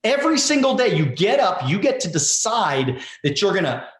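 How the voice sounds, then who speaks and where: A man in his forties speaks as a guest coach in a motivational conversation. His voice sits high and swings lively up and down. He talks emphatically and casually, repeats words and swears freely, and the room gives a roomy echo. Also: moderate pace. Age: 40s.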